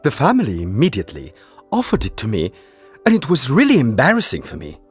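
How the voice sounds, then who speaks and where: A man reading a scripted anecdote for an English listening exercise, telling it in an animated way. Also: medium pitch, brisk, husky, faint music behind. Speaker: textbook audio speaker.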